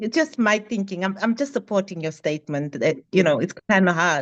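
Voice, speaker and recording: A woman with an ordinary speaking voice, medium pitch, moderate pace and lively intonation. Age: 60s. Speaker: study group member. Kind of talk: group study discussion.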